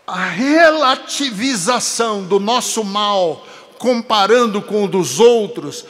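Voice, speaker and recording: A man from Brazil with a Brazilian Portuguese accent, preaching a sermon emphatically, building to forceful peaks and breaking into chatty asides to the congregation. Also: sits high, expressive, slow pace, big-room sound.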